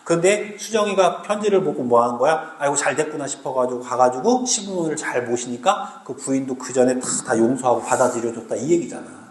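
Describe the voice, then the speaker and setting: A man teaching a Korean literature class live, lively and slangy, often checking whether students understand. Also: medium pitch, brisk, hardly any pauses, reverberant, low-quality recording. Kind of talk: classroom lecture.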